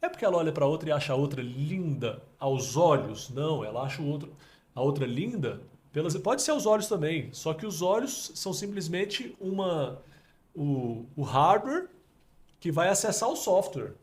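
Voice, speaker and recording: A Brazilian man hosting a casual podcast, explaining with emphatic metaphors in an animated way. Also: a little high, normal speed. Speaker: podcast host.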